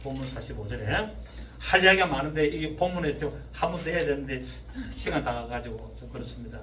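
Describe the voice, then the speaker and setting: A pastor in his fifties with a Gyeongsang accent, preaching a sermon, often shouting and firing questions at his congregation. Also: medium pitch, fast talker, a little hiss or hum. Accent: Gyeongsang Korean. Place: church sanctuary. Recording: echoey church room, mic at a distance.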